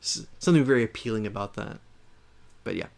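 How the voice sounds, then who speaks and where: A man hosting casual game commentary, speaking haltingly and often repeating words. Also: fairly low pitch, vocal fry. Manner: halting, repeats words, chuckles through remarks. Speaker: gameplay video host.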